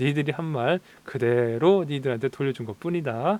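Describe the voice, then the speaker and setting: This man talks at a moderate pace with ordinary pitch variation. The sound is dry and close, with no echo. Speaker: motorcycle vlogger. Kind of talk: angry commentary reading comments. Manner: heated, agitated.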